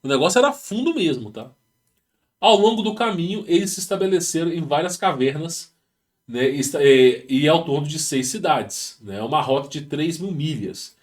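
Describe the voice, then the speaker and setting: A man with a Brazilian Portuguese accent runs his channel, reading a text aloud and interrupting with rambling, slangy remarks and many restarts. His voice sits on the high side with lively intonation at a normal speed, from a home setup on rural internet.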